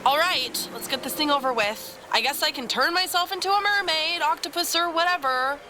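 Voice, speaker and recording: A woman's voice: high voice, fairly quick, pushed and bright, a little hiss or hum. A woman playing a wry, easygoing but reluctant young wife in a superhero audio drama. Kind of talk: acted audio fiction dialogue.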